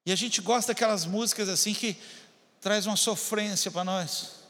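Pastor preaching in a reverberant hall. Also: male voice, sits high, normal speed, fairly bright tone. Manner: preaching with rising intensity, addressing the congregation directly. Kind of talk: sermon.

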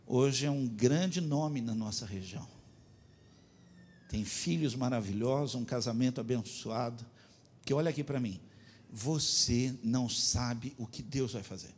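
A man preaching a sermon as pastor, telling a story and pressing his points with emphatic, loud appeals. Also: mid-range voice, measured pace, a little hiss or hum.

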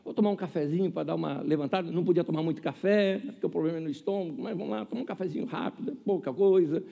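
Racing along in a warm, creaky voice on the high side, a male pastor in his fifties gives a sermon that trails a long reverb. His style is humorous and conversational, full of questions to the audience and a story from his own life.

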